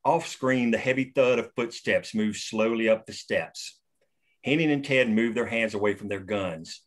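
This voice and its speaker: A man reading screenplay stage directions at a table read in a steady, matter-of-fact way. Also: lowish voice, normal speed. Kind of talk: reading screenplay action lines.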